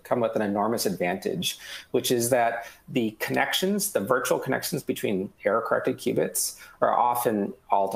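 A man's voice: fairly low pitch, creaky, echoey room. A man in his thirties explaining hardware on a video call panel, hesitant with frequent ums and uhs. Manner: measured, many ums and uhs. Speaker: hardware developer. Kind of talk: technical panel discussion. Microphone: headphones on a video call.

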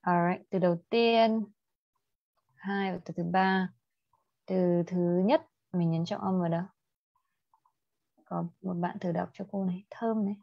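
A woman's voice: lowish voice, steady tone, measured pace, creaky, long pauses, no room sound, dull audio. A young woman with a Vietnamese accent teaching an IELTS speaking lesson on a livestream, switching between Vietnamese and English and asking students questions.

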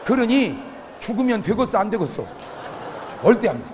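A man preaching a humorous revival sermon, telling stories with animated delivery and acting out the voices of the people in them. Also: high voice, normal speed, a little hiss or hum. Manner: shouting punchlines to the congregation. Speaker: pastor. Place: church hall with congregation. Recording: long hall reverb.

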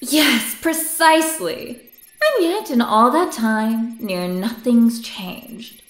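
A woman acts a haughty woman scientist in an audio drama. Her high voice swoops widely as she lectures in a condescending, wordy, theatrical way. The sound is roomy and echoing. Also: lively intonation, slow. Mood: brisk, impatient.

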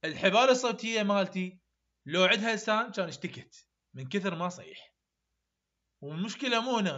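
Iraqi guy tutoring english, high voice, keeps repeating stuff, muffled lo-fi audio. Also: sharp tone. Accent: Iraqi Arabic. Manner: repetitive, emphatic, mixes English terms. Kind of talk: lecture explaining phonetics. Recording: dull lo-fi recording.

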